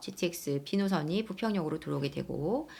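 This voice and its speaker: A woman talks at a fairly quick pace with very wide pitch swings. The recording is very clean, the background silent. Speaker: real estate investment YouTuber. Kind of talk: investment advice talk. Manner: fast.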